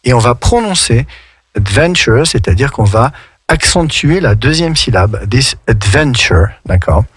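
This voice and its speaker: Slow, patient French radio teacher, dry. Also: male voice, medium pitch, lively intonation, husky, no echo. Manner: slow and patient, spells words out letter by letter. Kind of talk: radio English lesson, explaining song lyrics. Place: radio studio.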